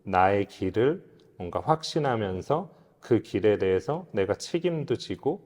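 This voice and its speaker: A man's voice: lowish voice, expressive, measured pace, a little mellow. A man speaking as a guest expert, explaining philosophy in an earnest, reflective, lecture-like way. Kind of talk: explanatory interview talk on philosophy. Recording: reverberant hall-like room.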